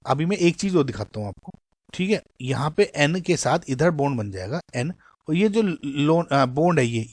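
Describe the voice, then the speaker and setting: A male chemistry teacher with an Indian accent works through exam questions in a relaxed, talk-to-the-viewer manner. His voice sits a little high for a man. It is recorded close to the mic in a dry space with no room echo. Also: husky. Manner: conversational, mixes English terms, addresses "guys".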